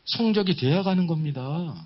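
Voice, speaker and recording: A man's voice: a little high, animated, moderate pace. A man preaching at a Bible seminar, teaching emphatically with rhetorical questions and repeated key phrases. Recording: dull, muffled lo-fi sound.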